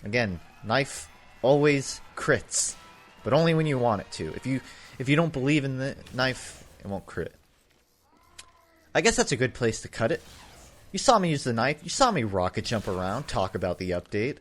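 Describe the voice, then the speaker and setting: A man's voice: mid-range voice, big pitch swings, normal speed, soft background music. A young man giving casual, rambling commentary over his game footage, full of sarcastic, self-mocking jokes. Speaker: gaming YouTuber.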